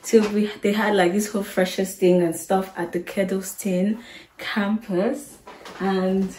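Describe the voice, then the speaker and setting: A woman's voice: mid-range voice, flat delivery, mellow, husky. A woman in her twenties from Nigeria, with a Nigerian accent, chatting casually as a vlogger into a phone held at arm's length. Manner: chatty, quick asides. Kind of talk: casual vlog chat.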